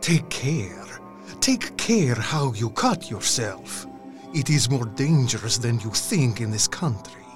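Count Dracula, slow, swooping vampire voice. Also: male voice, medium pitch, big pitch swings, over music. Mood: quietly menacing. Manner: formal, deliberate, commanding. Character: courtly, sinister male vampire count, imperious and hungry for life. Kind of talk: dramatised gothic audio drama acting.

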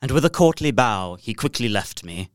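A man's voice: mid-range voice, animated, normal speed, smooth, no echo, natural voice. An actor playing an uneasy young solicitor, narrating his journal formally and dramatically in an audio drama. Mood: uneasy, hushed.

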